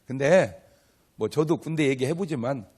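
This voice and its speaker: With a medium-pitched voice that is a little mellow and slightly rough, an older pastor talks at normal speed. He preaches a comic revival sermon to a live audience, telling stories casually, acting out exchanges, and bantering with the congregation through questions.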